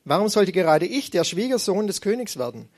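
Conversational male preacher, higher voice. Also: very animated, a little fast. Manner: conversational storytelling, retells scripture in everyday speech. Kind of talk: sermon.

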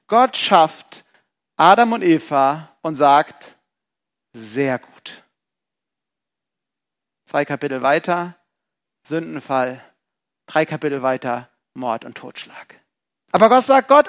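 This man's voice is a little high as he preaches with lively rhetoric, asking questions and playing out people's inner thoughts.

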